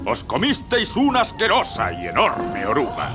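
A man's voice: mid-range voice, wildly swooping pitch, normal speed. An actor voicing a solemn old tribal wise man in a cartoon, ceremonial and theatrical. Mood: solemn praise. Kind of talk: animated cartoon dub. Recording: music behind the voice.

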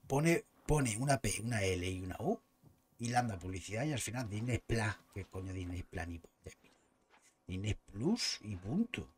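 A man's voice: lowish voice, a little hiss or hum. A man from Spain with a Spanish accent, chatting casually and swearing freely as he comments on his gameplay. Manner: chatty, swears freely, bursts out loudly at surprises. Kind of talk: casual let's-play commentary.

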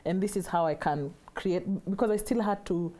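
A middle-aged Kenyan woman talks in a conversational studio interview. Her voice is fairly low and soft-edged, with a warm, relaxed tone. She reflects as she explains, restating points for emphasis. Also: normal speed. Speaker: guest financial consultant.

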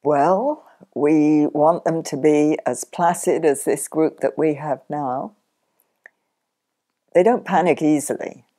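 An older woman sheep farmer, chatty and practical, explaining her farm work step by step in a relaxed interview at home. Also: low-pitched, slow pace. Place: sunlit living room, in an armchair.

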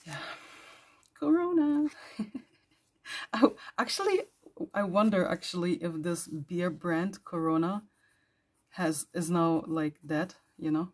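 A woman with a hoarse, worn voice who is losing it, chatting casually while flipping through her journal and clearing her throat often. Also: on the low side, animated, slow, pauses often. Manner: rambling, chatty with small laughs and throat clearing. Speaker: journal vlogger.

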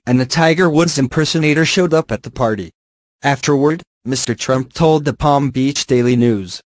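A man reading a news article aloud in a flat, even way, with odd slips in the wording. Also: mid-range voice, dry recording. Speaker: news reader.

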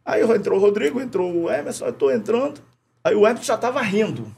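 A middle-aged man from Rio de Janeiro with a Carioca accent, telling animated anecdotes full of slang, swearing and laughter as a podcast guest. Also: high-pitched, quick pace, gravelly, slight background noise. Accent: Carioca Portuguese. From Rio de Janeiro, Brazil. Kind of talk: casual chat, storytelling. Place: podcast studio.

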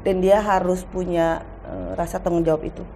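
A woman's voice: fairly low pitch, moderate pace. A middle-aged woman talks as a guest on a talk show. She tells stories with energy and acts out family dialogue. There is faint noise in the background. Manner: animated storytelling, acting out family dialogue. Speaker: guest actress. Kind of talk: casual talk show chat.

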